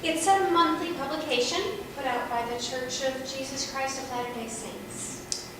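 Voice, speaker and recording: A woman acting a nervous, earnest young female journalist in a script read aloud, speaking in a halting, hesitant way. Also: high voice, steady tone, lightly acted. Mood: hesitant, awkward. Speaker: actor at a table read. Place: echoey room at a table read. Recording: distant mic in echoey, noisy room.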